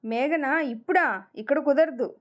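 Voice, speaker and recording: A bashful young wife speaks gently to her husband in a storybook reading, as a woman reads her part. Her high voice stays soft and caring. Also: moderate pace, natural voice. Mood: gentle.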